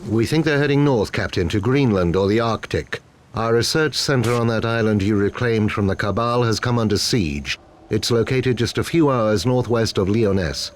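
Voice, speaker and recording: A serious military officer acted by a man briefing in a game cutscene. The voice is fairly low and clipped, matter-of-fact, with faint noise behind it. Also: moderate pace, lightly acted. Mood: urgent, serious. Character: male military officer reporting, serious, businesslike. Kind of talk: scripted game cutscene dialogue.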